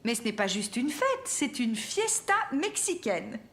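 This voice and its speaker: A woman's voice: on the high side, huge pitch swings, measured pace, husky, heavily acted. A woman voicing a patient but firm young mother in a children's cartoon. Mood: patient, reassuring. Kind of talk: children's cartoon dub acting.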